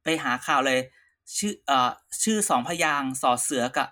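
A man co-hosting a casual political chat podcast, talking in quick asides with laughs. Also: medium pitch, animated, sharp tone. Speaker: co-host.

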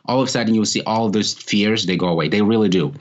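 A man's voice: lowish voice, quick pace, dull audio. A man whose first language is not English, a podcast guest giving earnest encouraging advice in casual chat, often tagging "right?". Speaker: podcast guest, course creator.

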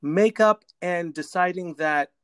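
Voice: medium pitch, measured pace, fairly bright tone, smooth, dry recording, studio quality. An interviewer who asks curious questions and often restarts before finishing them. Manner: curious, repeats openings before asking.

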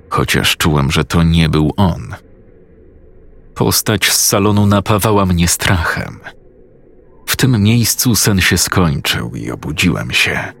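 A man narrating a horror story in the first person with a slow, measured, ominous reading. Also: sits low, creaky.

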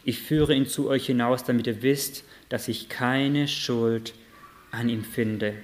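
Delivering a sermon in a medium-pitched voice, a preacher reads out Bible verses, throws in spirited rhetorical questions, and shifts back and forth between loud and quiet moments.

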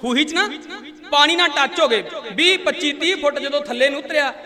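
A man from India, a Sikh preacher, giving an animated storytelling sermon. He is emphatic and swings between loud and soft passages. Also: very high-pitched, a little fast, crowd noise. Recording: long hall reverb.

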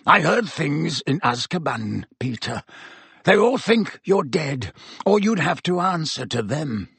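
Man acting a gravelly, venomous, vengeful fugitive. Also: fairly high pitch, big pitch swings, a little slow, no echo, voice pushed up, exaggerated voice. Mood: menacing accusation. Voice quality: growling, hissing, gravelly. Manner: venomous, mocking, forceful. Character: bitter, vengeful fugitive man, fierce and accusing. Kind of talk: audiobook character acting.

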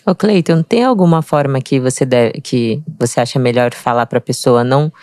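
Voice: mid-range voice, moderate pace, a little mellow, no echo, studio quality. A podcast co-host asking questions in a casual conversation, a little hesitant.

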